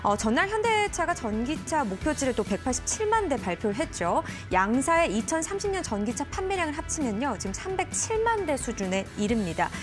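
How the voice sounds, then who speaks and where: A young woman presents financial news with a lively, rising and falling delivery at a brisk clip. She speaks in crisp anchor style on a lapel mic in a TV studio, with soft music underneath. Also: a little high.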